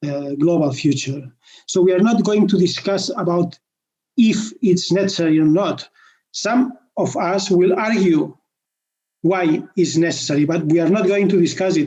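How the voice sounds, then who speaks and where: A man with a Spanish accent speaks at a moderate pace in a high pitch, with a dark, mellow tone and ordinary pitch variation. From Catalonia, Spain (Lleida). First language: Spanish or Catalan. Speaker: academic researcher, panel convener. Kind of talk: conference panel presentation. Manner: halting, with many false starts.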